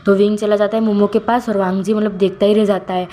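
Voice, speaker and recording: Warm-voiced woman rambling through a story. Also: medium pitch, flat delivery, fast, slight background noise. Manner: rambling, often corrects herself mid-sentence. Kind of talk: casual fan-fiction retelling.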